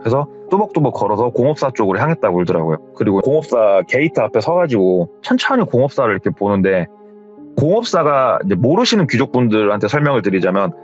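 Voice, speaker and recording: Guy telling a creepy story casually, pitch all over the place, kinda muffled audio w/ soft music. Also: fast talker. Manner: lively retelling, full of acted quotes. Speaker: horror story narrator. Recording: slightly dull audio, faint music.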